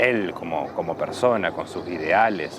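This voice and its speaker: A man talks with a fairly low pitch. Noticeable background noise runs under his voice. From Argentina, Entre Ríos (Libertador San Martín). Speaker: interviewee, former teacher-training student. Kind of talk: interview testimony. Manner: halting, many repetitions.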